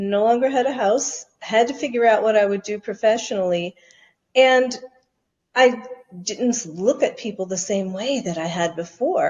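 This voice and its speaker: Speaking at a moderate pace, a woman has an ordinary speaking voice at a fairly high pitch with ordinary pitch variation. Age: 60s. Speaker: author. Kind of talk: interview.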